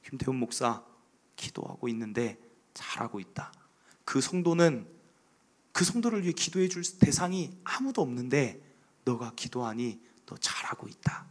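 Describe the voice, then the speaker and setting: A man voicing God in a soft near-whisper, in a whispered role-play, giving tender, short words of praise. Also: medium pitch, sing-song, normal speed, voice pushed down. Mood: gentle praise. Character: gentle, approving voice of God, male.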